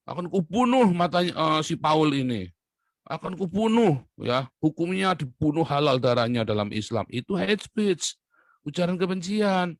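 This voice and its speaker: Brief: male, mid-pitched, heated solo monologue, sharp jumps in pitch for emphasis, dry close sound. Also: no room sound. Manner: emphatic, voice leaps up sharply on stressed points; drops to a low, quiet aside between outbursts. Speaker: online commentator.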